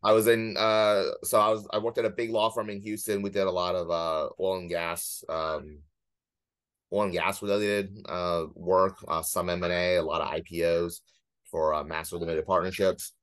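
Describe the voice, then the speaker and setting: A man in his thirties with a very low-pitched voice tells his own story in casual conversation. He is matter-of-fact and dryly self-deprecating, like a guest laying out his career path. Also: flat delivery, moderate pace, fairly bright tone, clear, resonant tone. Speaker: guest, former corporate lawyer.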